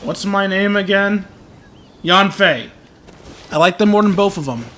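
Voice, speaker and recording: A man with a fairly high, forceful bright voice gives casual gameplay commentary. He is playful and reacts aloud at an unhurried pace, with game music faintly audible. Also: animated, slight background noise. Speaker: video game streamer.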